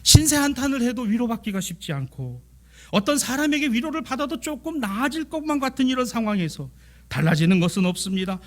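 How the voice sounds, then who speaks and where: A pastor delivering a Sunday sermon in a high-pitched voice. He presses hard on key phrases, then drops to near-whispers. Slow, deliberate stretches alternate with quicker asides. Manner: preaching with dramatic swings between loud emphasis and hushed near-whispers.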